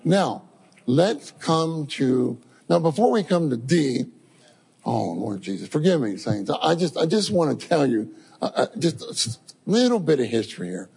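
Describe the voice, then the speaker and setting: A man preaching a sermon to his congregation, telling scripture stories in an animated way. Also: a little high, measured pace, vocal fry, breathy edge, long reverb tail. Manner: animated storytelling, addresses congregation as saints.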